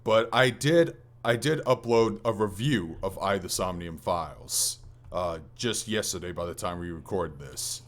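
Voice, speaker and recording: A male podcast host with a fairly low voice talks casually about games. He rambles hesitantly, backing up and rephrasing his thoughts as he goes. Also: a little slow. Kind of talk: casual gaming podcast chat.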